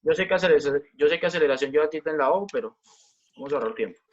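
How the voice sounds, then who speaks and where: A man's voice: fairly high pitch, expressive, racing, lo-fi sound, slight background noise. A man teaching a physics class online, explaining step by step, repeating key points and asking the students questions.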